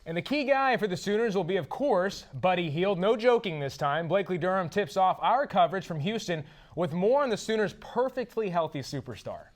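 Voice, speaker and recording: A man's voice: high voice, expressive, brisk. A young man anchoring a student sports newscast, reading news in a straight, mock-serious delivery. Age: young adult.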